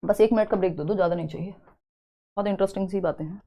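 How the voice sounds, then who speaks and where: A young woman teaching a live online exam-prep class, chatty and teasing, slowly spelling out word examples. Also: medium pitch, mellow. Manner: chatty, teasing students between explanations.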